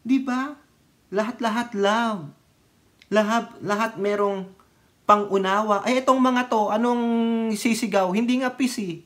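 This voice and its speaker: A man's voice: high-pitched, a little slow, pauses often, a bit bright. A man from the Philippines ranting in casual political commentary, sarcastic and mocking, often laughing and mixing in English phrases. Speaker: political vlogger.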